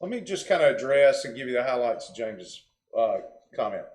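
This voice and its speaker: A man's voice: medium pitch, very animated, brisk, a little mellow, reverberant. A man hosting a casual show, chatting easily and reading viewer comments. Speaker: host.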